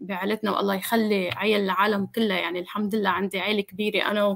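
Against a quiet background, a woman speaks at a fairly quick pace. Her pitch varies in an ordinary way. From Lebanon, Bekaa; Lebanon. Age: 20s. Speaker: pediatric cardiologist; interview guest. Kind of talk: interview. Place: home room.

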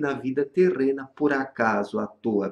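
A man speaks at a very slow pace. His pitch swings very wide. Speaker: vlogger. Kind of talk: casual vlog monologue, reflective. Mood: earnest, philosophical. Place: home room. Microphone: webcam.

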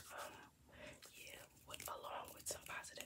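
Whispering at a moderate pace, a man speaks. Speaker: ASMR creator. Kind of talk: ASMR role play with affirmations. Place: home room. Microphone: phone near.

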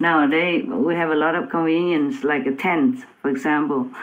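A woman talks at a fairly slow pace in an unremarkable speaking voice. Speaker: spiritual teacher. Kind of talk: casual storytelling in a teleconference. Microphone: phone line.

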